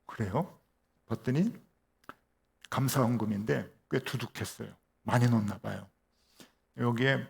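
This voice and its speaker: A man's voice: medium pitch, vocal fry. A male pastor preaching a conversational sermon, telling a story and acting out the dialogue. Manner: conversational, acts out quoted dialogue. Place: church sanctuary.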